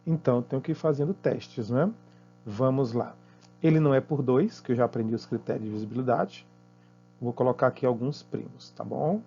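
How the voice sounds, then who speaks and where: A Brazilian man explains math exercises in a patient, mellow way and keeps checking in with his students. The sound is dull and lo-fi, with faint music and a low hum underneath. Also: fairly quick. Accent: Brazilian Portuguese. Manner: patient, checks in often with tag questions. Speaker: math teacher.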